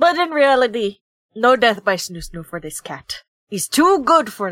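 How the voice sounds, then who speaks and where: A high, female-sounding put-on character voice cackles. Its pitch swings very widely. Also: moderate pace. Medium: actual play. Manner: manic, cackling.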